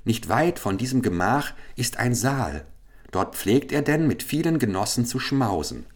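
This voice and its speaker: Eine klagende verzauberte Eulenprinzessin, von einem Mann gelesen. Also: male voice, mid-range voice, big pitch swings, measured pace, voice pushed up. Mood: plaintive. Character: sorrowful enchanted owl princess, young woman. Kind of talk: audiobook fairy tale reading.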